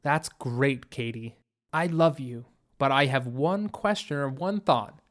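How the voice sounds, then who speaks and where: A man reading the part of a gentle, accepting father in an audiobook, with a tender, reassuring manner. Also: medium pitch, slow pace, close to an everyday voice. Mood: loving, relieved. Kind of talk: audiobook character dialogue.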